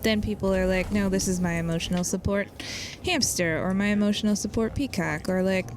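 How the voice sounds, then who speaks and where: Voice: mid-range voice, a little fast. A streamer chatting casually while gaming, teasing friends and laughing often. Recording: clear background noise.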